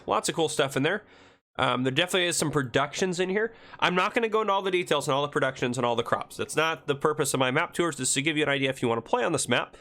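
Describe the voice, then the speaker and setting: A man's voice: mid-range voice, pushed and bright. A man with a congested voice from a cold, chatting casually as he tours a farming game map. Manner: chatty, rambling, self-correcting. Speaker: game video host. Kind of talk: casual gameplay commentary.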